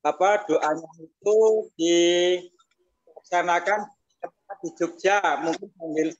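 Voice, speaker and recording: A man's voice: sits high, steady tone, slow, no room sound. A man calling in with a question, talking hesitantly with many fillers, while his call audio keeps cutting in and out and jumping up and down in level. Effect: choppy call audio that cuts in and out and rises and falls. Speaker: caller asking a question. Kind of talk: casual question over an online call. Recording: dull lo-fi call line.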